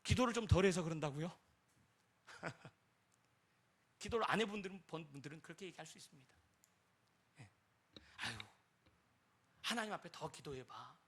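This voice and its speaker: A man pastor preaching a sermon, asking the congregation rhetorical questions and moving between loud, emphatic lines and quiet asides. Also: on the high side, animated, a little fast, long pauses.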